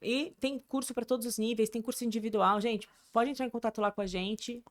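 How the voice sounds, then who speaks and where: A woman's voice: on the high side, steady tone, brisk. A woman from Brazil, an English teacher, chatting casually as a guest and promoting her courses. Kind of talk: casual interview chat.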